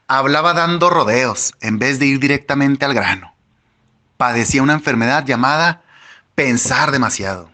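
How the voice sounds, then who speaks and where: A man reading a first-person audiobook with wry, lively storytelling. His voice is bright and forward, at an ordinary male pitch. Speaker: audiobook narrator.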